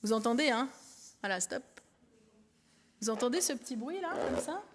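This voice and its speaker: A woman giving a lively, conversational sermon, talking through an illustration with a helper and the congregation. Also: on the high side, moderate pace, very noisy. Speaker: preacher. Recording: long hall reverb.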